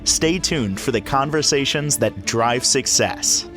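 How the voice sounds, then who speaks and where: A man reading a scripted network intro slowly and deliberately. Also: mid-range voice, animated. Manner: slow, deliberate delivery. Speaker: network announcer. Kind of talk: scripted promo voice-over. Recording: voice-over with music bed.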